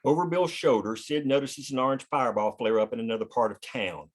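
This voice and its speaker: A man's voice: mid-range voice, a little fast. A man reading stage directions as the narrator of a screenplay, in scripted narration.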